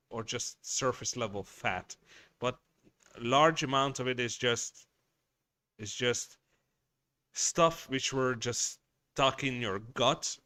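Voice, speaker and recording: Bright, crisp-voiced man swearing casually. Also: mid-range voice, no room sound. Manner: profane, blunt and rambling. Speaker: livestream host. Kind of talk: casual livestream chat reading viewer messages.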